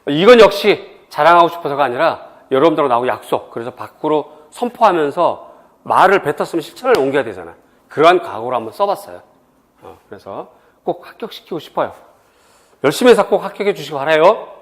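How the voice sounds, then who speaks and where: A middle-aged man from Seoul leads an exam prep admissions info session, lively and chatty and full of personal anecdotes. His voice runs on the high side, and he speaks briskly.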